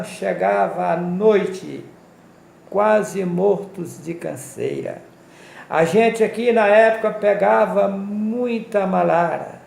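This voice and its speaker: Slow solemn man telling his life story, deliberate pace, gravelly tone. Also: high voice, a little mellow, roomy sound. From Minas Gerais, Brazil. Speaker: testimony speaker. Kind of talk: personal life testimony.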